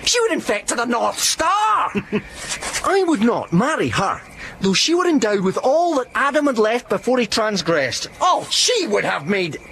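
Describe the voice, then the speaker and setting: An actor playing a witty, mocking young soldier in a Shakespeare radio play, talking in an animated, theatrical way. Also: male voice, extremely high pitch, measured pace, slight background noise, full character voice. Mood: indignant.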